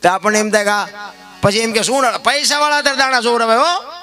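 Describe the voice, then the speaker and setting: A man's voice: very high-pitched, fast. Impassioned folk storyteller man. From Gujarat, India. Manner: preachy, storytelling, rising to loud impassioned peaks. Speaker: dayro storyteller. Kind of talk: folk dayro sermon.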